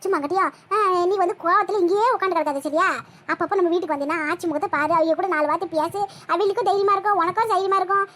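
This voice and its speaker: A talkative village aunty from a cartoon, voiced by a woman, full of advice and scolding in a Tirunelveli Tamil accent. Her voice sits very high and her words come quickly. She means well but cannot stop meddling. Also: fairly bright tone. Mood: coaxing. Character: chatty middle-aged village aunty, meddling but caring. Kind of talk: cartoon voice acting.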